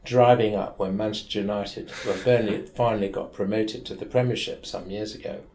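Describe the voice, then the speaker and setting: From his office, an English lawyer in his seventies with a Mancunian accent appears as an interview guest, telling wry, rambling anecdotes. His voice is lowish and darkish, his intonation fairly even, and he speaks briskly. The recording sounds roomy, with slight background noise.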